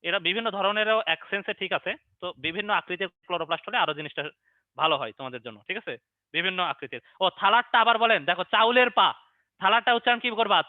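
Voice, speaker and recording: A young man runs a biology lesson online, firing quick questions and repeating the answers as memory drills. The sound is dry and close, squeezed into a narrow phone-like band. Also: high voice, no echo. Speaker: biology teacher. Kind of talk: online class lecture.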